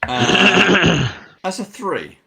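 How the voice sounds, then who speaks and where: A man playing a tabletop game, speaking calmly with a gravelly voice. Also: sits high. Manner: slow and calm. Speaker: player.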